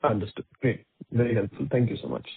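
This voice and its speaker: A man's voice: mid-range voice, very animated, fast talker, vocal fry, husky. A man asking questions as an analyst on an earnings call, in hesitant, tentative phrases. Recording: narrow, tinny phone line.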